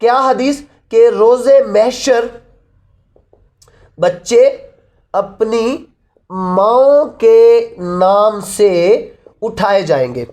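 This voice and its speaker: A woman's voice: fairly high pitch, expressive, extremely slow, pauses often, darkish tone. A woman with a Pakistani accent giving an explanatory lecture as a teacher, repeating key phrases and posing rhetorical questions in a didactic way. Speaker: law teacher. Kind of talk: explanatory law lecture mixing Urdu and English.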